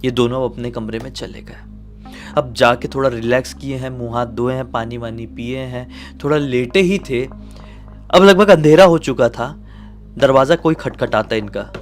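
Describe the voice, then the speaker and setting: A man telling a horror story in a conversational, dramatic way. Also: mid-range voice.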